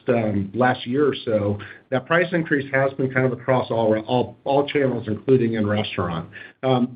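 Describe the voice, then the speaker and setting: A man with a mid-pitched voice speaks as a company executive on an investor call. His delivery is measured and corporate, and the audio is dull and slightly lo-fi. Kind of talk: prepared remarks and corporate question answering.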